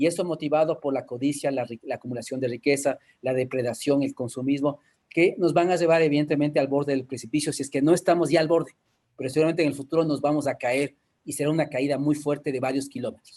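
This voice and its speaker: At a very fast pace, a man with a fairly high pitch and a dark, mellow tone talks with fairly even intonation. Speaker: conference speaker on futures and innovation. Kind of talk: conference talk.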